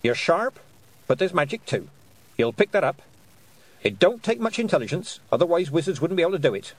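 A man's voice: on the high side, sing-song, brisk, voice pushed up, low-quality recording. A man playing a stern old witch. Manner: clipped, commanding. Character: stern thin old woman witch, proud and blunt.

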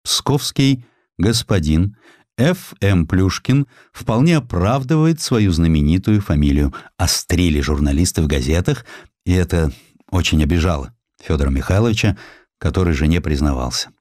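Narrator, male: low register, very varied intonation, expressive scripted delivery of historical tales. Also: normal speed, no room sound, clean studio sound. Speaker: audiobook narrator.

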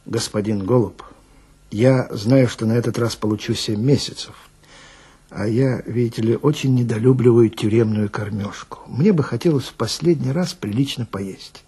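A man's voice: medium pitch, normal speed, warm tone, husky. A man playing a prim, middle-aged swindler in a radio story, speaking with polite, pleading dignity and fussy care. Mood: polite, resigned.

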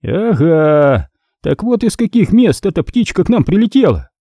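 Guy doing a mocking mob boss, pitched up, swoopy, barks threats. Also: sing-song, normal speed, dark tone, no room sound, studio quality, exaggerated voice. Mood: gloating. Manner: taunting, barked threats and sly mockery. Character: sneering crime boss, mocking and menacing man.

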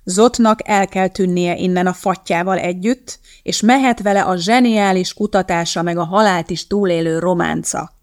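A woman reading an audiobook, voicing an indignant male institute director who shouts in outrage. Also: fairly low pitch, fairly even intonation, few pauses, close to an everyday voice. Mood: outraged shouting.

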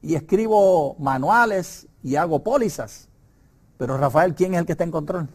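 A middle-aged man with a Puerto Rican Spanish accent leads a Bible study in a conversational but preacherly way. His voice sits a little on the high side, and he pushes up hard on key points. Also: expressive, normal speed. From Puerto Rico. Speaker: Bible lesson presenter.

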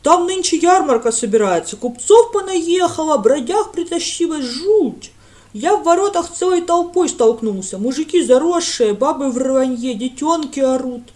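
A woman doing a loud, simple village lad. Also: sits high, lively intonation, normal speed, pitched above the performer's own voice. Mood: boastful. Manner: loud, eager, drawling folksy talk. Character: big simple-minded village lad, eager.

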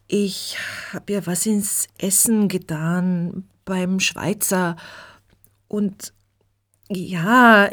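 Woman voicing a young guy confessing, soft and halting, slow. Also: medium pitch. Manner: quiet, hesitant, halting. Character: guilty young man, mumbling confession.

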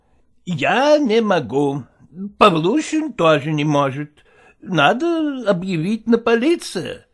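A man's voice: high voice, very animated, pitched above the performer's own voice, exaggerated voice. Man doing a fussy theatre partner with a Yiddish-flavoured accent. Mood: hushed pleading. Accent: Yiddish-flavoured Russian. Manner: drawn-out, wheedling, broken grammar. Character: fussy male theatre partner, evasive and secretive. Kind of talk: audiobook character voice.

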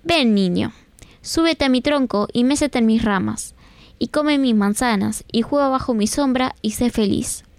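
A woman reading as a gentle giving tree. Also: on the high side, a little slow, no room sound. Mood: tender.

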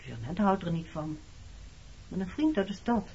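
A woman's voice: fairly low pitch, sing-song, moderate pace, creaky, mellow. Radio drama casting: guarded woman, early thirties, terse and pointed with an old flame; dull, noisy recording. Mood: matter-of-fact. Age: 30s. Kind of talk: Dutch radio play dialogue.

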